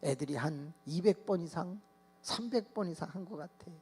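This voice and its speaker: A male pastor delivering a sermon, telling stories with lively energy and acting out children's voices and shouts. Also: a little high, moderate pace, husky. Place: church sanctuary. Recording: long hall reverb with mains hum.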